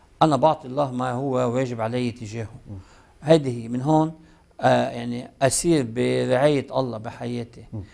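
Big swings in loudness mark this fairly slow delivery, which keeps a fairly even intonation. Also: man. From Lebanon. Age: 60. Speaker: journalist. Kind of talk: interview. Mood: calm, reflective about faith. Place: studio. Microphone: lapel.

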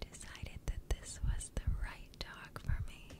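Against loud background noise, a soft-spoken woman whispers at a very slow pace. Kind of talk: casual vlog chat. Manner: soft intimate ASMR whisper. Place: home room.

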